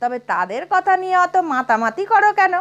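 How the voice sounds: A woman speaks in a put-on character voice at an extremely high pitch, with big pitch swings. Her tone is fairly bright and her pace moderate.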